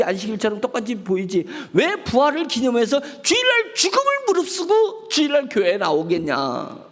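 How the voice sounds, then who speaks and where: A man's voice: very high-pitched, in a large hall. A man pastor preaching a sermon, asking questions and acting out pleading prayers. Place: church sanctuary.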